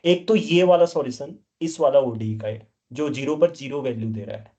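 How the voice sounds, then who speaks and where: Speaking at a normal speed in a mellow, medium-pitched voice, a man gives a math lecture. He scolds the class as he teaches and keeps putting questions to the students.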